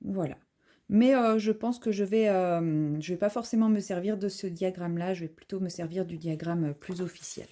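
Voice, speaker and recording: A woman's voice: on the low side, normal speed, dark tone. A woman vlogger in a casual unboxing video, chatting as she describes each craft item while she unpacks it at home.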